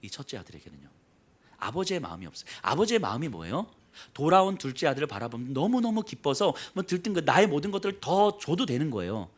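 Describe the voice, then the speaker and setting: A man preaching a sermon as pastor, telling a story with acted-out quotes and dropping to soft, low emphasis. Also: big pitch swings, fast talker.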